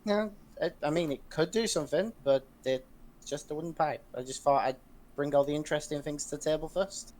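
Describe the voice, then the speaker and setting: A man's voice: a little high, a little fast, darkish tone. Eager, stumbling male tabletop player. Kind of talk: casual tabletop game banter.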